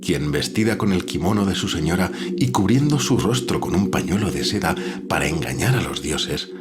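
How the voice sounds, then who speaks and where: A man playing a calm, analytical editor in an audio drama, speaking in a measured, reflective way. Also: deep voice. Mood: curious, analytical.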